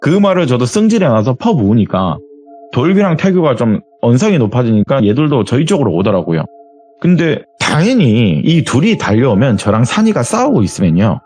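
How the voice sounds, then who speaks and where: As an interview guest, a man tells a true story conversationally and animatedly, acting out his friends' lines in quoted dialogue; he describes himself as a grumbler. His voice is medium in pitch and slightly rough.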